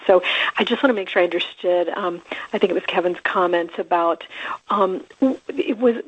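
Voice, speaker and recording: A woman's voice: on the low side, dry recording. A woman, a financial analyst, asking questions politely and somewhat hesitantly on an earnings call. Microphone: conference call line. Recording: dull, dry conference call audio.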